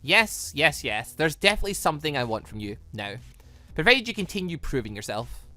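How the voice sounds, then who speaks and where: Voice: mid-range voice, big pitch swings, a little fast, bright, forceful tone, soft background music. A gaming host voicing a cocky, secretive woman from a visual novel, with a teasing, menacing manner. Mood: smug.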